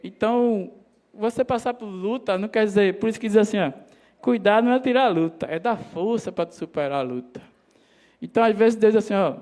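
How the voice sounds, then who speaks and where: A preacher with a high voice delivers a sermon in a church. He calls the congregation his brothers and drops his voice lower when quoting God. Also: darkish tone.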